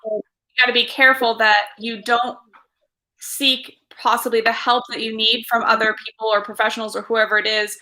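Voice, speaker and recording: A woman's voice: a little high, level tone, moderate pace, pushed and bright. A woman in a casual spiritual chat, speaking hesitantly and searching for her words. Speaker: tarot student.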